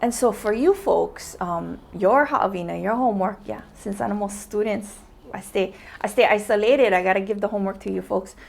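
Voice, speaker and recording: A woman with a medium-pitched voice talks in a fairly even intonation against noticeable background noise. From Hawaii. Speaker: Hawaiian language teacher. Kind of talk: casual talk to camera.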